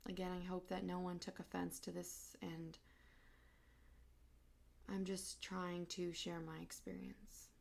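A young woman hosting a personal podcast, talking in a halting, emotional way and close to tears. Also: lowish voice, creaky. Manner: emotional, halting, soft-spoken. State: tearful. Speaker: podcast host.

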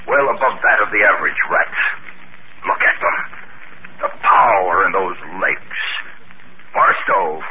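Scheming mad scientist, lowish voice with lively rise and fall, tinny noisy old radio drama. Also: male voice, unhurried, pauses often. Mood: proud. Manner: cold, smooth, persuasive. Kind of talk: 1950s radio drama acting.

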